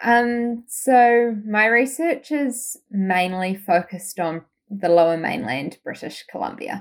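At a very slow pace, a woman speaks at a fairly high pitch with lively intonation. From New Zealand. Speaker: PhD student in atmospheric science. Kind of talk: casual interview explaining research.

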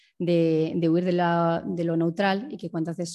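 Set against a quiet background, a woman speaks at a fairly low pitch in a dark, mellow tone. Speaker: activist researcher. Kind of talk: lecture. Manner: fast.

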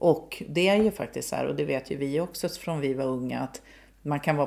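With lively intonation, a woman talks in a very deep, low voice. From Sweden, Lidingö near Stockholm. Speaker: school principal. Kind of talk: casual interview. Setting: at her home.

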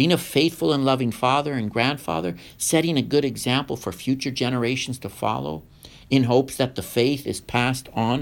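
A man talks with vocal fry at a medium pitch and a moderate pace. The recording is very clean with a silent background. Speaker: pastor. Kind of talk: sermon.

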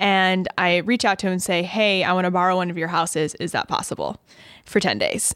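A woman with a plain, everyday voice and an American accent speaks at a fairly quick pace in a medium pitch, with fairly even intonation, on a very clean recording with a silent background. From Chicago suburbs, US Midwest. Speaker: writer and artist. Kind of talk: interview conversation. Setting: studio.

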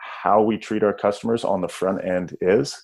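Using an ordinary speaking voice, a man talks at a fairly slow pace with fairly even intonation. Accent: Canadian. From northern Canada. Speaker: physical therapist. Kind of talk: interview.

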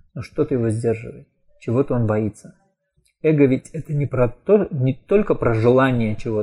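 The tone is dark, mellow and somewhat breathy. Delivery moves at a moderate pace. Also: man, medium pitch for a man, ordinary pitch variation. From Tajikistan. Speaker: emotional intelligence speaker. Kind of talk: podcast conversation.

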